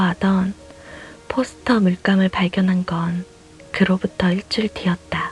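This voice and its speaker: A woman's medium-pitched voice at a fairly slow pace, flat and monotone, with music in the background. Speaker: audiobook narrator. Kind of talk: horror story reading.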